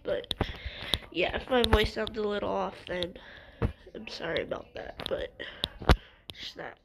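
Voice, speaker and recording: A woman's voice: mid-range voice, a little slow, vocal fry, noisy background. A woman with a stuffy nose giving rambling, hesitant casual gameplay commentary as a gaming channel host. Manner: rambling, hesitant with many ums and restarts.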